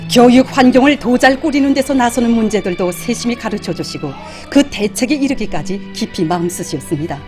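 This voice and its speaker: A woman's voice: fairly high pitch, darkish tone. A woman with a North Korean accent reading scripted television news in a formal, solemn, reverent and emphatic declamatory manner.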